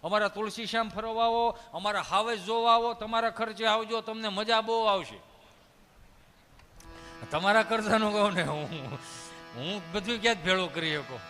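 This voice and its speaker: A man's voice: high voice, moderate pace, pushed and bright, big-room sound, faint music behind. A man with a Kathiawadi Gujarati accent telling folksy comic stories on stage, chatty and acting out the dialogue. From Dhari area, Saurashtra, Gujarat. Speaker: stand-up comic storyteller. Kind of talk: live comic storytelling on stage.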